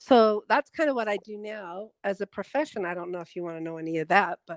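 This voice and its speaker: Lively intonation from a woman at a fairly quick pace, medium in pitch, in a dry, close sound with no echo. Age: 60s. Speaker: cycling group leader and product developer. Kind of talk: podcast interview. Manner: enthusiastic.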